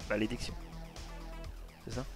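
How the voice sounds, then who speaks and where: A man acting as game master, narrating a tabletop horror game in slow, searching, descriptive scene-setting. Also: faint music behind.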